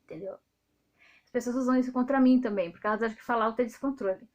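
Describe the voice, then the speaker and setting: A Brazilian woman in her thirties, speaking with a Brazilian accent, talking straight to her viewers in a loud, outspoken, indignant way. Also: fairly high pitch, rapid-fire. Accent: Brazilian Portuguese. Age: 30s. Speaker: video host. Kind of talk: casual monologue to viewers.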